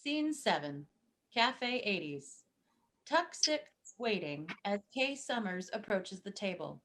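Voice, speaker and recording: A woman narrates stage directions from a script. Her delivery is very unhurried, in a medium-pitched voice. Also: sing-song, fairly bright tone.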